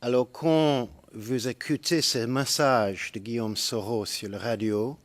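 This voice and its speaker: A man's voice: mid-range voice, steady tone, slow pace. A man cross-examining a witness in a courtroom, asking pointed leading questions.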